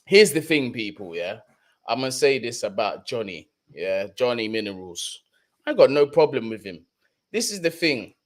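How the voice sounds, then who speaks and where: A man's voice: medium pitch, sing-song, normal speed. Slangy young London man chatting live. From London, England. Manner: slangy, chatty, repeats his points. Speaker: football channel host. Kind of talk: casual live-stream chat.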